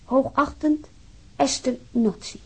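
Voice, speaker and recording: A woman's voice: sits high, slow pace, a little mellow, slightly rough, exaggerated voice, low-quality recording. An actress playing a worried, earnest wife who reads out a complaint letter on her husband's behalf. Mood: indignant, worried. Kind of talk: dramatized reading of a complaint letter.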